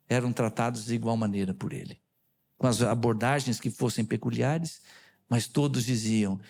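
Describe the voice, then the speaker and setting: A man with a Brazilian Portuguese accent preaching a sermon as a pastor, who puts questions to the congregation and retells conversations. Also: medium pitch. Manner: animated, quizzes the congregation with questions. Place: church sanctuary.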